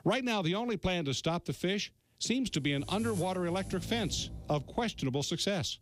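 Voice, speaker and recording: American male TV reporter, animated intonation, scripted feature narration, dramatic emphasis. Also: sits high, brisk. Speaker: TV news reporter.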